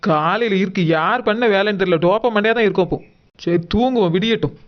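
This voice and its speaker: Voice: medium pitch, quick pace, dull audio, lightly acted. An actor voicing a bossy, suspicious cartoon mother who scolds and mutters. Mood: puzzled, grumbling. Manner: scolding, muttering, name-calling. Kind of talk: cartoon dub dialogue.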